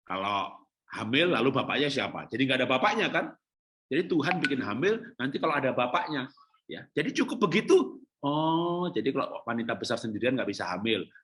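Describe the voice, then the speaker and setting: A middle-aged male pastor preaching on parenting, telling stories with lively acted-out dialogue and frequent laughter. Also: mid-range voice, brisk. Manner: lively storytelling, acting out children and parents, laughing often. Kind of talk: sermon on parenting.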